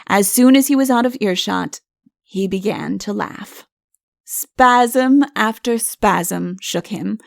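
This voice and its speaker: Creaky-voiced woman narrating a story. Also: mid-range voice, slow pace, no echo, clean studio sound. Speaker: audiobook narrator. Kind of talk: scripted comic fairy tale narration.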